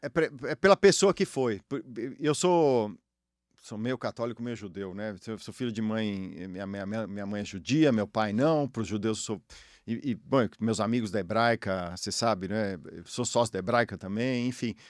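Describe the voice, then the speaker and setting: A man's voice: lowish voice, moderate pace, no echo, clean studio sound. A middle-aged Argentine man with a Brazilian Portuguese accent, a former tennis player guesting on an interview show, talking in a slangy, rambling way with frequent restarts. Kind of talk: casual interview chat.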